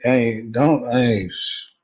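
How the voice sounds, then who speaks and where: A man in an interview, retelling a court visit in a rambling, animated way, quoting what people said. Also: medium pitch, extremely slow, low-quality recording. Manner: rambling, animated retelling with slang and quoted dialogue. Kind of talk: casual storytelling.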